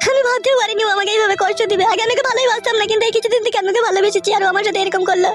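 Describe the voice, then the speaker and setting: A woman playing a plaintive, lovelorn young wife in a comedy cartoon, with a sped-up, pitched-up voice. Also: fairly even intonation, racing. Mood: heartbroken. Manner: plaintive, wailing about her fate. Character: self-pitying, lovelorn young village wife. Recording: music behind the voice.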